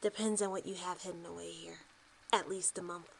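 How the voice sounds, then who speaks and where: A woman's voice: lowish voice, fairly even intonation, creaky, slight background noise, low-quality recording. Woman acting a cool, controlling boss. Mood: cool, pointed. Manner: measured, demanding. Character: cool, controlling female boss in sci-fi drama. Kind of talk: audio drama acting.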